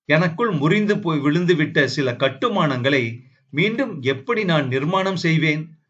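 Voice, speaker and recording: A man reading a novel aloud in the first person, measured and solemn. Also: on the high side, a bit bright, highs cut off. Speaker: audiobook narrator.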